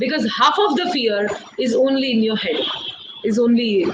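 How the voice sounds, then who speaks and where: Over noticeable background noise and audible room echo, a woman speaks at a high pitch with very wide pitch swings. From India, Gujarat. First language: Gujarati. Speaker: public speaking trainer. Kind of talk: live Q&A session. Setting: online live stream. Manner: code-switching Hindi and English.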